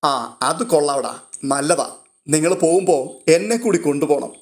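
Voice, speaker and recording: A man voicing a calm, protective old grandfather who soothes his granddaughter in a read-aloud story. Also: a little high, normal speed. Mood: steady.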